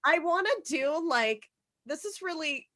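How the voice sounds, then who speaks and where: A woman chatting casually in an excitable, slangy way, swearing freely, on a group call. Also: high voice, a little slow. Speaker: participant in a virtual table read group. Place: remote online video call.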